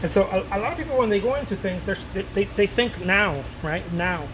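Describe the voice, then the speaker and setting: A man in his late thirties with a fairly high voice talks to camera in a loose, animated way, doubling back on his words and dropping the odd curse. A steady air-conditioning hum sits clearly under his speech. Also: brisk. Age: 30s. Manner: loose and animated, repeats words, swears casually. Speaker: painter talking to his viewers. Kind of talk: casual rambling talk to camera.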